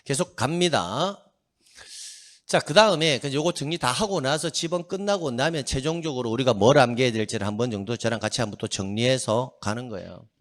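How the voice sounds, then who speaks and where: A man's voice: mid-range voice, fairly quick. A middle-aged man lecturing on exam prep, often asking a question and answering it himself, drilling his students to repeat key phrases aloud, and adding joking asides. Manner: animated, asks and answers his own questions.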